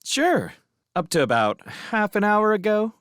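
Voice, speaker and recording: A woman soldier's voice lifted high above the narrator's own low register, as a man puts her on, giggly at first, then shrieking in terror. The take is close and dry. Her lines climb into a thin, strained pitch. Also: huge pitch swings, a little slow, fairly bright tone, dry recording, full character voice. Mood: chatty. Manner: giggly, then shrill panicked screaming. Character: female soldier Showen (Canada), chatty then terrified.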